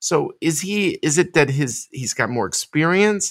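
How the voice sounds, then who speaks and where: Recorded very cleanly against a silent background, with a dry, close sound and no echo, a man with a normal speaking voice talks at a fairly slow pace, his pitch fairly high and his intonation lively. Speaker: podcast host. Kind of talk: podcast discussion, scripted intro then interview.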